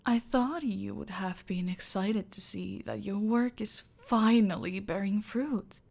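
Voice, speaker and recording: Woman as female cartel boss: imperious, slow, husky-fry whisper, controlled menace. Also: medium pitch, a little mellow. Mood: smug. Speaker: voice actor in audio roleplay. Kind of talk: ASMR roleplay.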